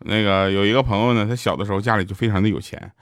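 A man from Northeast China with a Northeastern Mandarin accent, casually telling comic stories. He chats, laughs at his own jokes and gets loud at the punchlines. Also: fairly low pitch, steady tone, racing, dry recording, clean studio sound, soft background music.

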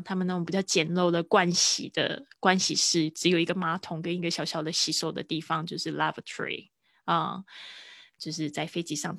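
Low-voiced woman teaching English phrases. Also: gravelly, a bit bright, no echo, clean studio sound. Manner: explains in Chinese, slowly repeats English phrases for drilling. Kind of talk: live-stream language lesson.

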